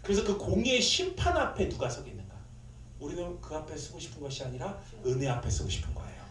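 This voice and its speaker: Animated male pastor preaching in an echoey church. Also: on the high side, quick pace, recorded from a distance. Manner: animated, acts out scolding in quoted lines, laughs at own stories. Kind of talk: sermon. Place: church sanctuary. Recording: echoey room, speaker away from mic, faint noise.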